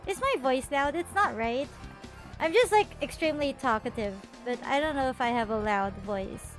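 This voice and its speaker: High-voiced chatty woman streamer. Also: expressive, normal speed. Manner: chatty and rambling, with many restarts; bubbly, laughs often. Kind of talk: casual chat stream. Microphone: earphones with a desktop mic. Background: faint background music.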